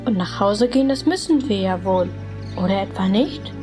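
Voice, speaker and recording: A woman's voice: mid-range voice, lively intonation, normal speed, music in the background, close to an everyday voice. A woman playing a reluctant older sister, a medieval peasant girl, in a radio drama. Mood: resigned.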